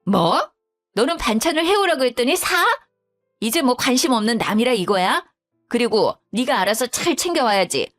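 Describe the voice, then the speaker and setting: A woman's voice: on the high side, big pitch swings, moderate pace, soft background music. A woman voicing a curt, self-pitying widowed older mother-in-law who grumbles bluntly. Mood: resentful.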